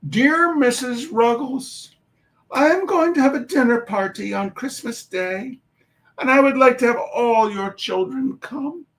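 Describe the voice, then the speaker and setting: A prim, well-mannered young girl reads her invitation in a high, bright voice with a gravelly edge underneath, as a man puts her on for a storybook. She sounds careful and earnest. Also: a little slow. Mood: polite, earnest. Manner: prim, careful letter reading. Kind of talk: storybook reading.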